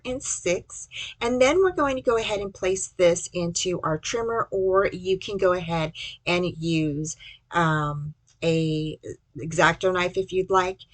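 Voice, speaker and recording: A woman's voice: mid-range voice, dry recording. Woman narrating a craft tutorial, dry sound. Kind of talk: casual step-by-step tutorial narration.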